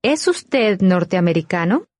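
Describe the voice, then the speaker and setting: Lively woman reading lesson dialogue. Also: on the low side, measured pace, no room sound, clean studio sound. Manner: clear, careful enunciation. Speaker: language course speaker. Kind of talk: scripted dialogue lines for learners.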